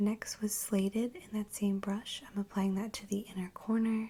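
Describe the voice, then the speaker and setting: A soft-spoken woman with a medium pitch talks at a moderate pace in a dark, mellow, gentle tone that is somewhat breathy. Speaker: ASMR makeup tutorial creator. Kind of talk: makeup tutorial voiceover. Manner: soft-spoken, gentle.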